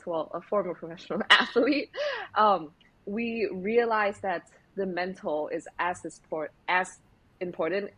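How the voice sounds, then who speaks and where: A woman's voice: on the low side, fairly bright tone, dull audio. Podcast host, female, casual and giggly, lots of ums. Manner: chatty and giggly, many fillers. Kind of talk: casual interview chat.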